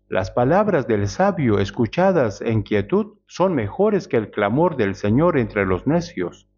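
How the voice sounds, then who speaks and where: A male preacher giving a measured sermon, often asking the congregation rhetorical questions. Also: medium pitch, a little mellow. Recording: dull lo-fi sound.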